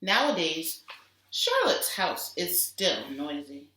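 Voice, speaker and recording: A woman teacher giving an expressive storybook read-aloud for children, deliberate and with dramatic emphasis. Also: sits low. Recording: roomy echo, distant microphone.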